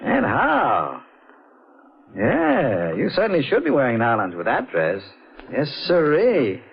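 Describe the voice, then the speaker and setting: A man's voice: mid-range voice, huge pitch swings, slow pace, gravelly, breathy edge, exaggerated voice. An actor playing a mild, brooding husband in an old-time radio mystery, sometimes hesitant in his phrasing. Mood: playful, affectionate. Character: mild husband narrating his own unraveling, brooding and haunted. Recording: muffled old radio broadcast with music.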